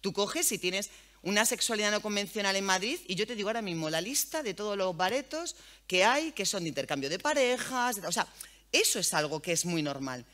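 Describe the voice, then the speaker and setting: Talking fairly quickly, a woman gives a lively talk to a hall audience, drawing on her background as a journalist and radio host. She's frank, colloquial and animated, cursing freely, and her bright voice swings energetically in pitch like a practiced radio personality.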